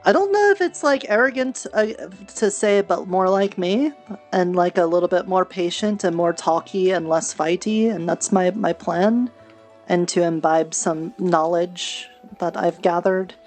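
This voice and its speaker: A woman's voice: lowish voice, measured pace, a little mellow, faint music behind. A woman improvising in-character fantasy roleplay in a conversational, earnest way. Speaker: streamer and roleplay player. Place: online virtual reality session.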